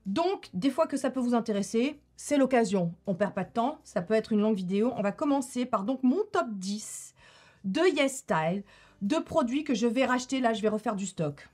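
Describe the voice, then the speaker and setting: A woman beauty YouTuber talks through her favourite products in a relaxed, chatty way, often breaking into laughter and repeating lines for effect. Her slightly high voice is expressive and a little mellow, at a moderate pace.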